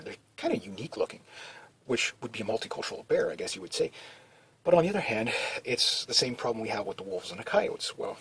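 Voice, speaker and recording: A man's voice: on the low side, fairly bright tone, slight background noise, poor audio. A man talking in a rambling, casual monologue, full of restarts and fillers. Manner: meandering, many restarts and "you know" fillers. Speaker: video blogger.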